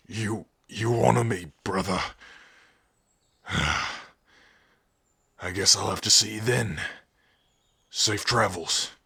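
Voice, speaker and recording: A man voicing a loyal, blunt male orc rebel in a fantasy audio roleplay, forceful and solemn. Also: lowish voice, drawn-out words, pauses often, husky, full character voice. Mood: moved.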